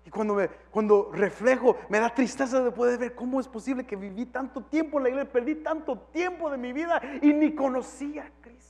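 Pastor, male, very high voice, preaches with sudden shouts, switches into English now and then, long hall echo. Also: a little fast, hardly any pauses. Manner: swings from quiet to shouting; mixes English phrases into Spanish. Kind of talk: sermon.

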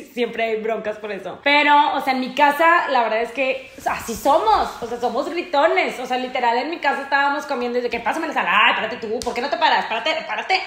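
A woman in her thirties with a Mexican accent, chatting loudly and intensely as she answers fan questions. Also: on the high side, roomy sound. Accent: Mexican Spanish. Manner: loud, intense, laughs often. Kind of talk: casual couple Q&A chat.

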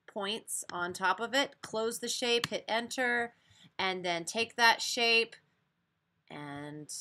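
An American woman teacher giving a spoken software tutorial for a webinar, explaining step by step. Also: fairly low pitch, slight background noise. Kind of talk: spoken software tutorial over screen demonstration.

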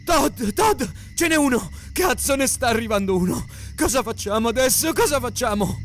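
A man voicing a frantic, cowardly young man in an audiobook, shouting orders and panicked questions. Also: very high voice, lively intonation, normal speed, soft background music, pitched above the performer's own voice.

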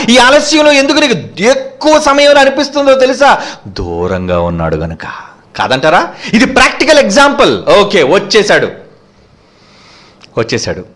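Male preacher, Telugu accent, sermon, high voice, wide swings in pitch, rhetorical questions. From India. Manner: animated, rhetorical questions, acts out quoted lovers.

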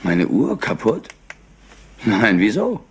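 A clever young heir in a crime radio play. The voice swings widely in pitch over a low, creaky register, with an evasive, superior manner. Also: male voice, wildly swooping pitch, slow pace, a little hiss or hum, full character voice. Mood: guarded, haughty. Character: clever, slightly overwrought young nephew of rich industrialist.

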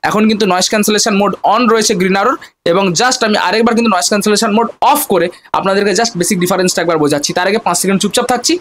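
Guy talking super fast, high voice, chatty vlog, noise reduction artifacts on his voice. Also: fairly bright tone. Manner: fast, chatty, repeatedly addressing viewers. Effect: noise reduction artifacts from a noise-cancelling wireless mic. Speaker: tech vlogger reviewing a wireless mic. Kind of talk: casual product demo. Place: room at home with a fan running. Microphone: wireless clip-on transmitter.

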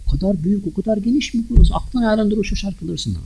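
A man giving a Friday sermon in a mosque, preaching in a lively way and throwing rhetorical questions at the congregation. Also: sits high, fast talker, creaky, husky.

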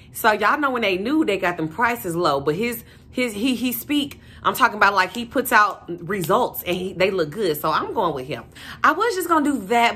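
A young woman talks straight to her viewers in a loose, slangy vlog. Her voice is bright and forward. She is animated, calling everyone y'all and sis. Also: mid-range voice, slightly rough. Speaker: vlogger. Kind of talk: casual vlog chat to camera.

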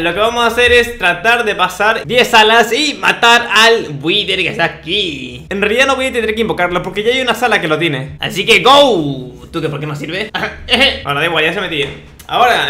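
High, bright-voiced young man gaming. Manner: playful mock-boastful, slangy. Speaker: gaming video host. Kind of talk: casual gameplay commentary. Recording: roomy echo, faint noise, clicks.

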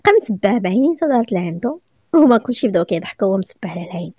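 Brisk Moroccan woman storyteller. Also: medium pitch, animated, a little mellow, no room sound, studio quality. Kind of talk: reading a romance story aloud.

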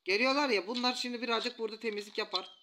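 A man commentating a mobile strategy game, taunting the enemy troops with rough slang. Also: very high voice, racing. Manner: taunting, trash-talks enemies, rough slang. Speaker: gaming YouTuber. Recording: loud background noise.

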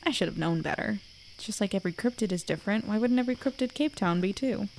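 A woman's voice: medium pitch, fast talker, vocal fry, darkish tone, a little hiss or hum, natural voice. A woman playing a wary, frank investigator, narrating and talking in an audio drama. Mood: musing.

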